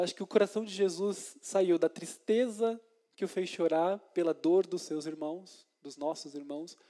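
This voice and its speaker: Male deacon, mellow and somewhat high, chatty sermon style, keeps asking "right?", acts out scenes. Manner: conversational preaching with frequent tag questions; retells scripture in lively dramatized scenes. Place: church.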